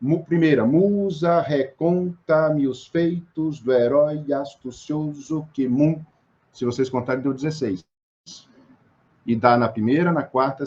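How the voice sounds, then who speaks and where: A man's voice: medium pitch, a little mellow, highs cut off. A Brazilian man speaking as an interview guest, explaining poetry with many restarts and fillers. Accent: Brazilian Portuguese.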